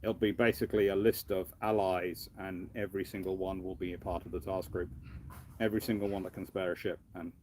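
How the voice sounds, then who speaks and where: A man hosting a casual live question-and-answer stream, thinking aloud in a halting, rambling way. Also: low-pitched, flat delivery, darkish tone, slight background noise. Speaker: livestream host, naval historian. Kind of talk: casual live Q&A with off-the-cuff commentary.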